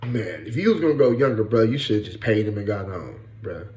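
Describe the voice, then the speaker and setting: A man's voice: lowish voice, expressive, fairly quick, darkish tone, echoey room, lo-fi sound, a little hiss or hum. A man in his late thirties giving blunt, profane casual commentary and often repeating "bro" and "you know what I'm saying.". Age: 30s. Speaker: podcast host.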